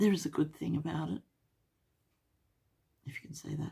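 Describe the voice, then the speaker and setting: A woman's voice with an Australian accent. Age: 70s. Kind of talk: casual podcast talk.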